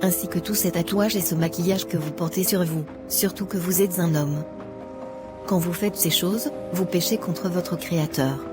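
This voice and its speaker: A woman's voice: on the low side, steady tone, moderate pace, natural voice. A woman voicing a self-righteous, impatient young Christian woman in a cartoon, lecturing in a preachy way over music. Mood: preachy, stern. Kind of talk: scripted cartoon dialogue. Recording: music behind the voice.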